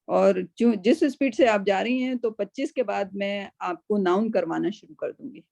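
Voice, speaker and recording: A woman's voice: mid-range voice, gravelly, warm tone, dry recording. A woman teaching a Quran class over a video call, explaining patiently and often checking in with her students.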